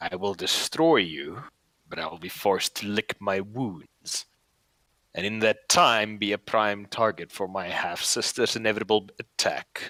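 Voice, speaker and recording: A man puts on a rumbling character voice at a fairly low pitch. He speaks at a moderate pace. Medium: actual play. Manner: formal, articulate.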